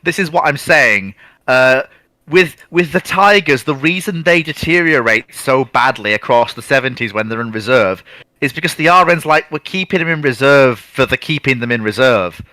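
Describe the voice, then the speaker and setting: Bright, dry-sounding man explaining informally. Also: mid-range voice, normal speed, dry recording, rough recording. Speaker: naval history discussion panellist. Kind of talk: informal expert discussion.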